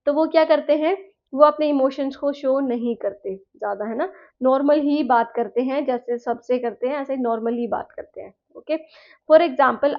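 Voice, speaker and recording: A woman teaching an exam-prep lecture, explaining in Hindi mixed with English and often checking in with her listeners. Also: sits high. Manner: reads English points slowly from notes. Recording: dull lo-fi audio.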